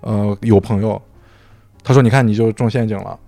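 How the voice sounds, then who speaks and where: A man's voice: fairly low pitch, moderate pace, gravelly, dry recording, soft background music. A man from Xinjiang, China, a podcast guest telling a story in casual chat and acting out quoted dialogue. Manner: animated, acts out quoted dialogue.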